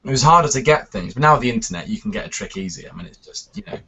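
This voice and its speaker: A man from Wales with an English accent, a guest on a casual video chat, relaxed and self-deprecating. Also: mid-range voice, rapid-fire, husky. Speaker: guest magician. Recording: lo-fi web call audio.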